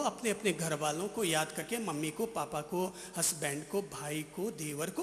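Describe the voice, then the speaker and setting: High, lively voiced male preacher. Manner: dramatic, animated storyteller who quizzes the audience. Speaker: Jain monk preacher. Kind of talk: storytelling sermon. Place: large stadium gathering. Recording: roomy stadium sound with long reverb.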